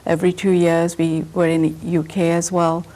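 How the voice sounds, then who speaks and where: A woman artist from Pakistan, a native Urdu speaker, answering interview questions in a reflective, soft-spoken way. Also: on the low side, completely flat delivery, moderate pace, poor audio.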